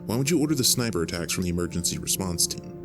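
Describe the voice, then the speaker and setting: An actor playing a male official who asks pointed, formal questions, from a played animated video. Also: low voice, racing. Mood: probing. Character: probing male official interviewer. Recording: music playing underneath.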